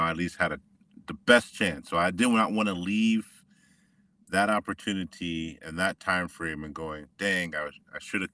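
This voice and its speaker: A middle-aged man from Washington State, a former football player telling his story in a relaxed, reflective way with many restarts. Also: low-pitched, no echo, far from the mic. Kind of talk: conversational interview.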